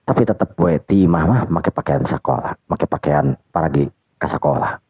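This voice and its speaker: Male storyteller, very low and husky, rambling delivery, dry lo-fi sound. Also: animated, normal speed, dark tone, no room sound. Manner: rambling, self-correcting storytelling. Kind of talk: folk tale narration. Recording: dull dry lo-fi recording.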